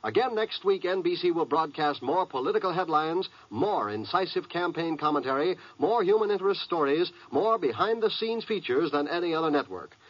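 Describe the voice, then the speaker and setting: An American man reads a scripted 1950s radio promo as network announcer. His voice is fairly high and very varied in pitch, heard on a muffled old recording. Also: lively intonation, fairly quick, few pauses.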